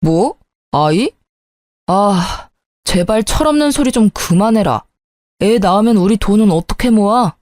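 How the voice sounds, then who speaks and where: A woman's voice: mid-range voice, expressive, a little slow, no room sound, close to an everyday voice. A woman voicing a young husband who is irritable and defensive in a spoken story. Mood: irritated. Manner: sulky, sharp-tongued, pleading at times. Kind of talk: storytelling with dialogue.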